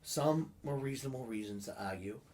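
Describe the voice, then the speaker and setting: Man in his late twenties, congested nasal voice from a cold, easygoing, quick to laugh, loose and profane. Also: mid-range voice. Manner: relaxed, laughs often, swears casually. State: stuffed-up nose from a cold. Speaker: interview guest. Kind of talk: casual chat.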